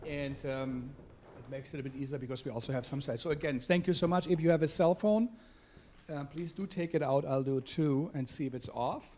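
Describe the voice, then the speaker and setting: A man hosting and introducing an evening talk event, speaking in a halting way with many fillers. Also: mid-range voice, warm tone, slight background noise. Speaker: event host. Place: theater event space.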